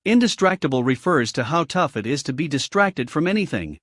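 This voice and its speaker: A man's voice: a little high, lively intonation, brisk, fairly bright tone, no room sound, studio quality. A man with a Greek accent narrating a self-help audiobook, reading expressively and asking the listener many questions.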